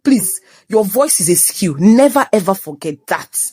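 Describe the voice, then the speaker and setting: A woman's voice: medium pitch, animated, measured pace, dark tone, slightly rough, no room sound, clean studio sound. A young woman with a Nigerian accent hosting a motivational talk, moving between English and Pidgin, teasing and scolding her listeners. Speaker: host. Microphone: phone.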